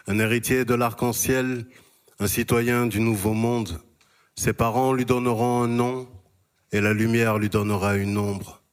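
A man reciting a poem in a steady, earnest reading voice. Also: mid-range voice, unhurried. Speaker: workshop participant. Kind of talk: poetry recitation.

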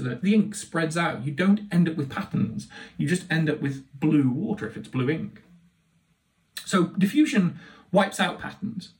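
Higher-voiced man, enthusiastic academic explainer. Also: far from the mic. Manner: enthusiastic, emphatic, conversational explaining. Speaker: university lecturer.

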